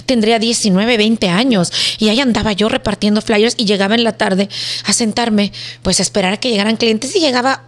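A woman tells her story in an interview, animated and acting out the dialogue she quotes. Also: mid-range voice, a little fast. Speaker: business owner guest.

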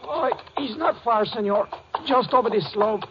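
Excitable mexican farmer, high voice, polite broken english, muffled old radio western. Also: male voice, background noise. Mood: eager, deferential. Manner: halting broken English peppered with Spanish. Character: excitable, polite Mexican nester with a beloved burro. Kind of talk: 1950s radio drama acting.

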